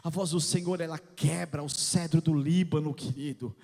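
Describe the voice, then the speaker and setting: A Brazilian man preaching an impassioned sermon as pastor, swelling to shouts. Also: a little high, fairly even intonation, moderate pace, vocal fry. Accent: Brazilian Portuguese. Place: church sanctuary. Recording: long hall reverb.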